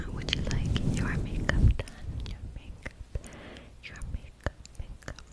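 A woman whispers, soft-spoken, at a very slow pace. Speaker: ASMR creator. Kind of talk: whispered ASMR chat. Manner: soft whispered ASMR personal attention. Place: home room. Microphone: studio mic.

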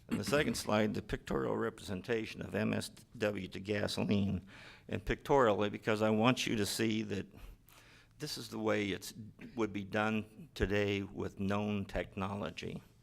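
A man talks at a moderate pace with vocal fry and fairly even intonation. The recording is very clean, with a silent background. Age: 70s. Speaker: chemical engineer. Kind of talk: public presentation. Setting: county commissioners meeting. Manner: halting.

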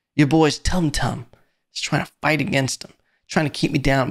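Over a quiet background, a man speaks at a fairly quick pace with vocal fry. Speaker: podcast host. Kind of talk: casual podcast chat. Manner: low-energy, queasy, unwell voice. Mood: candid, self-deprecating. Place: studio. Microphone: studio mic.

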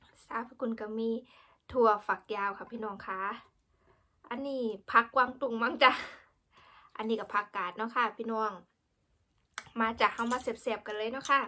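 A woman's bright, sharp tone carries fairly even intonation. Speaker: food vlogger. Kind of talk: casual mukbang vlog chat. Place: home room. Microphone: phone near.

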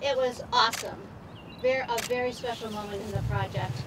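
Speech at a moderate pace comes with noticeable background noise. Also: woman. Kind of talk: ceremony speech. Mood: heartfelt, storytelling. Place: stadium. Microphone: handheld.

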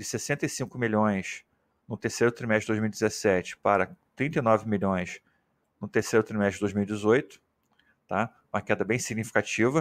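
On a very clean recording with a silent background, a man with an unremarkable speaking voice talks at a fairly low pitch and a fairly slow pace, with ordinary pitch variation. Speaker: financial analyst and investment YouTuber. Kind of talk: tutorial. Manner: informal, frequent filler tags.

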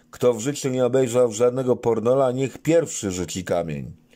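A man's dark, mellow voice with a Polish accent, lively intonation and a moderate pace. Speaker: stand-up comedian. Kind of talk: stand-up comedy.

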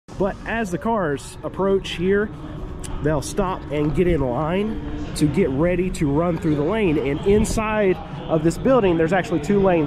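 Music plays in the background as a man talks. His pitch is high, with ordinary pitch variation. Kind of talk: casual on-location report. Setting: outdoors at car auction lot.

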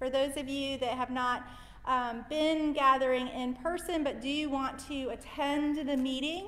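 A woman speaks with a high pitch and fairly even intonation. Her pace is fairly slow. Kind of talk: announcements. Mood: friendly, light laughter. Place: church.

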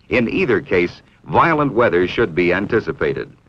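A man with an American accent uses very wide pitch swings and vocal fry. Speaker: film narrator. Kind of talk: vintage training film narration. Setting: studio voiceover. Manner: formal, measured, authoritative; even, didactic, unhurried. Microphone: old recording.

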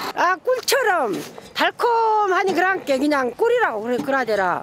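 In a strong Jeolla accent, someone speaks at a very slow pace with a cheerful tone and very wide pitch swings, the sound dry with no echo over noticeable background noise. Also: woman. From South Jeolla, Wando island. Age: 50s. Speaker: oyster farmer. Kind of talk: casual talk in documentary. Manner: lively, cheerful. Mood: cheerful, proud. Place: waterside.

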